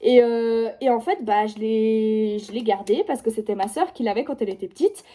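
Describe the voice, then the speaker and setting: A woman's voice: a little high, normal speed, warm tone. A young woman around eighteen with a Swiss French accent, chatting casually and rambling about her reading pile with constant fillers. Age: young adult, about 18. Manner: rambling, heavy with fillers like genre and du coup. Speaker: book vlogger. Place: at home by her bookshelf.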